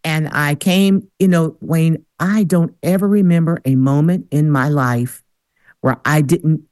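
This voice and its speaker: A woman's voice: deep voice, measured pace, a little mellow, dry recording, clean studio sound. A woman guest on a radio interview show, telling her life story with eager enthusiasm. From Michigan. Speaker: guest, singer and speaker. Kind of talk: casual interview talk.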